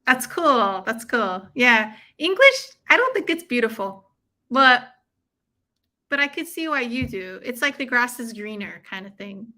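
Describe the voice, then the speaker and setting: An American woman hosts a casual live watch-along. Her voice sits a little high and is very bright and forward. She talks informally and effusively, with plenty of slang, as if chatting with her viewers. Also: sing-song, measured pace. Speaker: livestream watch-along host. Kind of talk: casual live chat with viewers and fight commentary.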